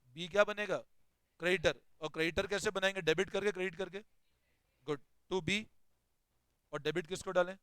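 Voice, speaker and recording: A man's voice: high-pitched, fairly even intonation, normal speed, long pauses, a bit bright, clean tone, no room sound, low-quality recording. A man teaching an accounting class, explaining step by step and questioning his students as he goes. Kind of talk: classroom lecture.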